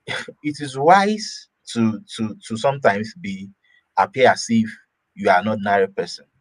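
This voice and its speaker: A man's voice: on the low side, moderate pace, no echo, low-quality recording. Dry-voiced Nigerian man musing aloud. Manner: repeats and restarts words, laughs mid-sentence. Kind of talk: casual opinion talk.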